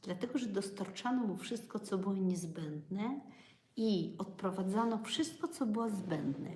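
A woman's voice: mid-range voice, animated, a little slow, warm tone, echoey room, a little hiss or hum. A woman hosting a casual livestream on her phone, chatting with viewers and asking them questions as she talks about health. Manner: chatty, asks the audience questions. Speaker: livestream host, acupuncture educator. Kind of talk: casual live-stream talk to viewers.

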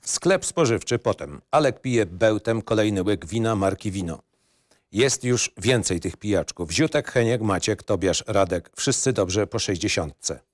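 Male narrator for screenplay reading, lowish voice, clipped and matter-of-fact. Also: lively intonation, unhurried.

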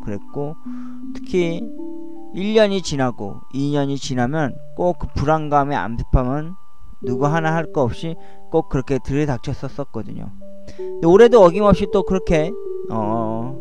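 A man in his forties with a slight lisp and slurred diction, speaking slowly and haltingly into a cheap microphone, with many fillers and pauses. His voice sits a little high. Background music plays clearly under him the whole time. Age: 40s. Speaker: YouTuber. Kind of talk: personal monologue over music. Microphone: cheap microphone at home computer. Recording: music playing behind voice.

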